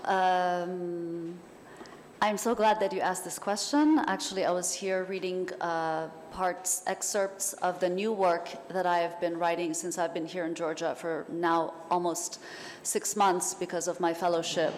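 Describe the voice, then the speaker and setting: A woman whose first language is Persian, a writer speaking as a panel guest in a thoughtful, measured way. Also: lowish voice, fairly even intonation. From Iran. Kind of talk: festival panel talk. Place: hall at a literature festival. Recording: hall reverb, faint noise.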